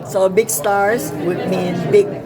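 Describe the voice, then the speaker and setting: A woman's voice: medium pitch, fairly even intonation, drawn-out words, distant mic, loud music behind the voice. A woman with a Filipino accent being interviewed at a film screening, speaking earnestly and reflectively with hesitant fillers. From Philippines. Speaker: actress and producer being interviewed. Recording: noisy crowded event. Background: crowd chatter.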